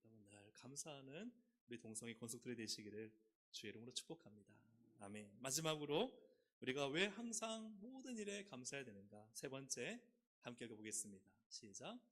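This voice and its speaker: Korean pastor preaching with sweeping emphasis. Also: male voice, sing-song, fairly quick, fairly bright tone, breathy edge. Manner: asks the congregation questions and leads responsive reading with sweeping pitch swings. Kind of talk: sermon. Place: church sanctuary.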